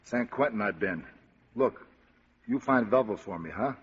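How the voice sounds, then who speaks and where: An actor playing a huge, slow-witted ex-convict who speaks in gruff, ungrammatical tough-guy talk. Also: lowish voice, animated. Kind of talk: 1940s radio acting. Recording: dull old radio recording.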